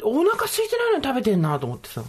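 A woman's voice: high-pitched, huge pitch swings, rapid-fire, slightly rough. A woman hosting a podcast in casual chat. She talks animatedly and acts out other people's lines, often laughing as she goes. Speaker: podcast host.

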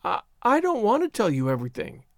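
A man acts out a naive young woman from a storybook, pitched high and swooping with feeling. The voice is small and hesitant, quavering as it pleads stubbornly in distress. The recording is very dry and close. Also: huge pitch swings, a little fast, no room sound, heavily acted. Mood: hesitant, puzzled. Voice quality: faint, small voice. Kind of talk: dramatised audiobook story reading.

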